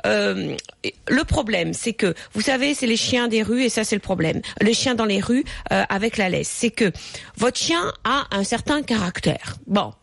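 Creaky-voiced woman vet on radio. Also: mid-range voice, expressive, moderate pace, no room sound. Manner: explains patiently, repeats key points. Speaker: radio veterinarian answering callers. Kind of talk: radio advice call-in. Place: radio studio.

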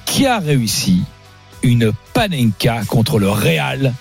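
A man hosting a radio quiz in a studio, jokey and quick with asides. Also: mid-range voice, big pitch swings, vocal fry, faint music behind.

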